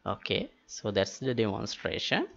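A man narrating a step-by-step software tutorial in a halting, matter-of-fact manner. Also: on the low side, wildly swooping pitch, gravelly. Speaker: tutorial host. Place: indoors, screen-recording voice-over. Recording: dull lo-fi voice-over with clicks.

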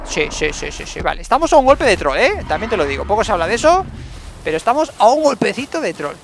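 Brief: high-pitched man with a gravelly edge, calling out gameplay in excited repeated bursts, faint game noise behind. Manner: excitable, repeats words in rapid bursts, talks to himself. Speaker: gaming YouTuber. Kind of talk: live gameplay commentary.

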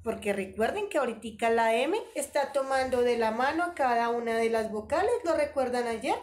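A woman's voice: fairly high pitch, animated, fairly quick. A woman teaching an online preschool lesson, talking in an exaggerated, sing-song, encouraging way.

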